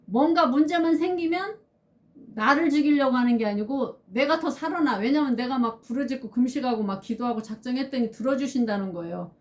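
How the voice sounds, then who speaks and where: A woman's voice: high-pitched, fairly quick. A woman, a pastor's wife, giving emphatic advice in a casual faith conversation. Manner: emphatic, advising.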